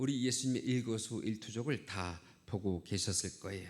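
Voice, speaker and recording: Pitched fairly low, a man's voice shows ordinary pitch variation. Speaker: pastor. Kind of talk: sermon. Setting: church.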